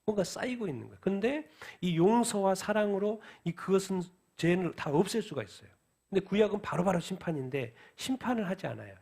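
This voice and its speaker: A man's voice: sits high, gravelly, darkish tone. A man preaching a midweek sermon who asks questions and answers them himself. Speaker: pastor. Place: church.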